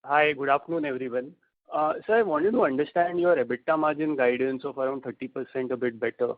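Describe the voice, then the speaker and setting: Male analyst caller, polite and businesslike, mid-pitched, dry and very narrow telephone sound. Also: a little fast, no echo. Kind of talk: asking questions on an earnings call. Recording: dry, tinny phone handset line.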